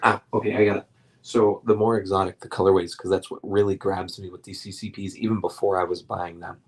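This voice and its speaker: A young man hosting a relaxed late-night live stream, rambling with many ums and restarts, his voice getting hoarse. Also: low voice, a little fast.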